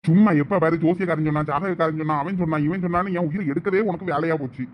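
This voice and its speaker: A man voicing an irritable young man in a cartoon, bantering fast with a Thoothukudi Tamil accent. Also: fairly high pitch, fairly even intonation, a little hiss or hum, natural voice. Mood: irritated. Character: young man Santhosh, quick-tempered, worried about marriage. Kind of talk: animated cartoon voice acting.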